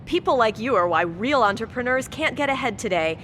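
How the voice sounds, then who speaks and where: A woman's voice: a little high, animated, brisk, a bit bright. Belligerent, sneering woman politician, noisy backdrop. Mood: scornful, accusing. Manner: sarcastic, ranting, confrontational. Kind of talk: audio drama acting.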